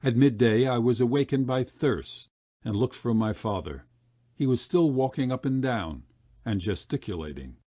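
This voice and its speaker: A man reading a literary story aloud as an expressive audiobook narrator. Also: mid-range voice, moderate pace, no room sound, clean studio sound. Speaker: audiobook reader.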